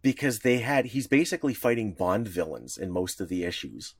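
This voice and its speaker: A man's voice: on the low side, very animated, fairly quick, slightly rough, no echo, clean studio sound. A man co-hosting a podcast, explaining comics history in a rambling, enthusiastic way with many restarts. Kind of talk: casual podcast chat.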